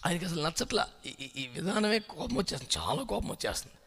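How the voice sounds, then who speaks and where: A man preaching a sermon, animated, asking rhetorical questions and dropping English words into his talk. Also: a little high, fast, slightly rough. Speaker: pastor.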